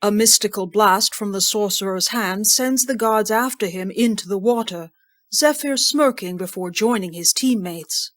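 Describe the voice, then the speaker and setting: A woman's voice: mid-range voice, moderate pace, a bit bright. A woman reading scripted scene narration for an audio drama.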